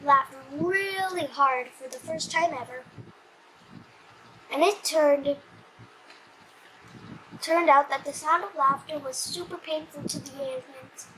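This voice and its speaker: A child reading a comic storybook aloud in an animated, slightly stumbling way. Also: high voice, slow, pauses often, a little hiss or hum, rough recording.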